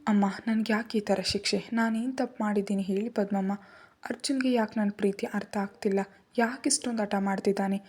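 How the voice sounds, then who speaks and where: A woman's voice: medium pitch, steady tone, fairly quick, darkish tone, natural voice. A woman reading the lines of a heartbroken young wife who pleads and asks anguished questions.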